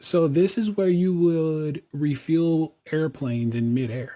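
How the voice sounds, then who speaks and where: Very slow in pace, a man with a fairly high pitch has a dark, mellow tone and ordinary pitch variation. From US South, Durham, North Carolina. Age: 30s. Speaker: motivational speaker, blind Air Force veteran. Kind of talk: podcast interview.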